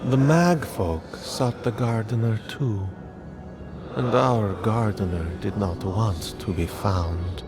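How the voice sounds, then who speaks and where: An actor playing a stern, mournful ghost of an ancient drowned people in a fantasy game, grave and deliberate. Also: male voice, lowish voice, music in the background. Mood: stern, probing.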